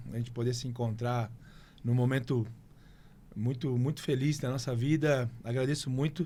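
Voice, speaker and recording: An unremarkable speaking voice at a moderate pace with fairly even intonation. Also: man. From interior of São Paulo state, Brazil. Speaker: former footballer and coach. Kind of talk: interview.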